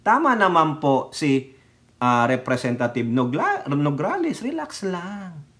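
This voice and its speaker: A Filipino man delivers casual political commentary on his vlog. He talks straight to his viewers in an animated, needling way, and his voice sits a little higher than most men's. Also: measured pace.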